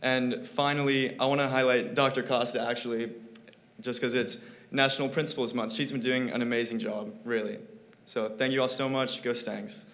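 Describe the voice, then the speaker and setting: Teenage boy, student representative, earnest, reading notes, slightly croaky, mid pitch. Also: little pitch movement, moderate pace, fairly bright tone. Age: teens. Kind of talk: prepared report to a meeting.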